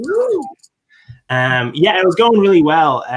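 With an Irish accent, a man talks at a moderate pace over a quiet background. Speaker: comedian. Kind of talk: casual banter and short stand-up set. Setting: video call. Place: home room.

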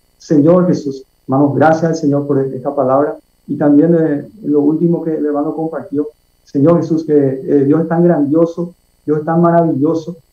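Amid audible room echo, a man with a fairly high pitch talks at a moderate pace in a monotone, flat intonation. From Paraguay. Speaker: speaker. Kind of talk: sermon. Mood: devout, earnest. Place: home room. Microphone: video call.

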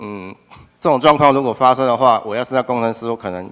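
With a Taiwanese accent, a man talks at a fairly quick pace and medium pitch. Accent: Taiwanese Mandarin. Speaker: cloud engineer. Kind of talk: conference talk. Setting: stage with audience. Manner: halting, many fillers.

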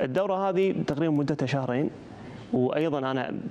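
Light background noise sits behind a man with a Kuwaiti accent who talks at a moderate pace with ordinary pitch variation. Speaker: youth authority official. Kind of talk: TV interview. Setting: TV studio. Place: studio. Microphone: lapel.

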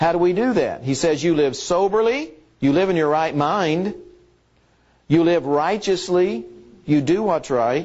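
Against a quiet background, a man with a high pitch speaks at a fairly slow pace, his loudness very even and his pitch variation ordinary, with long, frequent pauses. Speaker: preacher. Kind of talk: sermon. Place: church.

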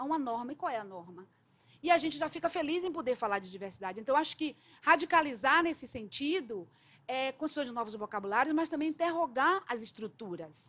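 Talking at a fairly quick pace, a high-pitched woman swings her pitch very widely and her loudness a great deal. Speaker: audience member. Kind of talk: audience question. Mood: engaged, reflective. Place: classroom. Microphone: handheld.

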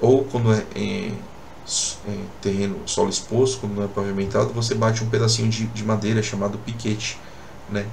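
Over light background noise, a man talks at a moderate pace in a fairly low, monotone voice with flat intonation. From Brazil. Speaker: teacher. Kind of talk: lecture. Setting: video call. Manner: hesitant, many fillers. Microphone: video call.

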